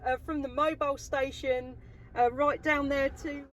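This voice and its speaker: Female CB operator, mobile station call-outs, high pitch, clear background static and noise. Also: steady tone, unhurried. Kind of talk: radio call-outs and signal exchanges. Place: mobile radio station in a vehicle. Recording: noisy CB radio transmission.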